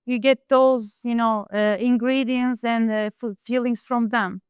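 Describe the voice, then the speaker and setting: Woman, kinda high voice, super smooth and clear, soft and hesitant, lots of ums. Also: fairly even intonation, unhurried, no room sound, clean studio sound. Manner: soft-spoken, hesitant, many fillers, laughs often. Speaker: guest, home cook. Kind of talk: casual interview. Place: home in Istanbul.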